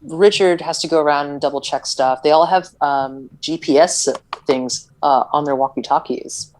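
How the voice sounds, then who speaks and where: A woman's voice: low-pitched, moderate pace, a little mellow, slight background noise, low-quality recording. A woman on a podcast retelling a movie plot in casual chat, full of "like" fillers and stumbles over words. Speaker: podcast co-host.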